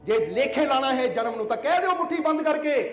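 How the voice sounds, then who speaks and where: A man's voice: very high voice, animated, fairly quick, a bit bright. A man preaching a devotional sermon at a village gathering, often asking his listeners questions and having them repeat lines after him. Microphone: collar mic. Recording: clear music behind the speech.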